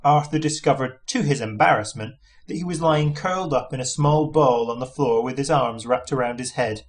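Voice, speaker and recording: A man's voice: medium pitch, moderate pace. A man reading a story aloud as an amateur audiobook narrator, in scripted narration.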